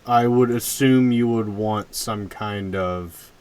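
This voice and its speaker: Man, somewhat deep voice, unhurried halting delivery, roleplay podcast player, faint noise behind him. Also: a little mellow. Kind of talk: improvised roleplay talk.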